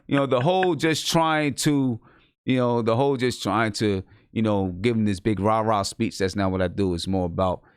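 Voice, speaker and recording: A man's voice: fairly low pitch, moderate pace, clean tone, no room sound. Emphatic man host at a close studio mic. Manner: emphatic, repeats himself, laid-back sign-off. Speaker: podcast host and high school basketball coach. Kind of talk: casual postgame chat. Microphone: studio microphone close up.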